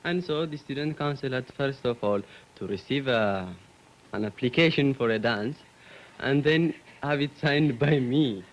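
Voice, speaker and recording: Teen man, Ethiopian accent, mid-pitched, earnest and halting. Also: lo-fi sound. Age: late teens. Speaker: student panelist.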